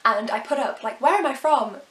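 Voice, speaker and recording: A woman in her twenties with a slightly softened received pronunciation accent, chatting casually to camera as a vlogger, laughing often and throwing in quick asides. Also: high voice, lively intonation, roomy sound, a little hiss or hum. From England. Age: 20s.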